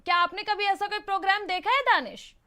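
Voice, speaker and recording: A woman presents the news in a very high-pitched voice. She speaks as a studio anchor, setting out the story and questioning a reporter. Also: a little fast, pushed and bright, a little hiss or hum.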